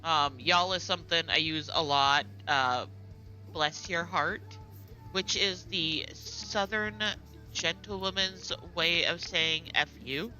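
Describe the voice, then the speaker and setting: Casting: a bright-voiced, rambling, middle-aged American mom chatting while she plays, music faint underneath. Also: low voice, takes it slowly, rough recording. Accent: General American. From United States. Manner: chatty, rambling, lots of fillers and asides. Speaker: gaming streamer. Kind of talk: casual chat while playing a game.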